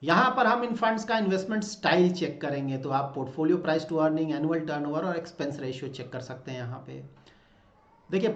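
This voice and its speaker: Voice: mid-range voice, reverberant, lo-fi sound. A mutual fund educator giving a methodical walkthrough explainer, addressing the viewer directly and going over the figures step by step. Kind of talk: screen-walkthrough finance explainer.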